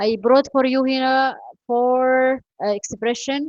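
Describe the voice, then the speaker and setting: A woman talks in a high voice, and the sound is dry and close with no echo. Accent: Arabic. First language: Arabic. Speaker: English teacher. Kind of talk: online class lesson.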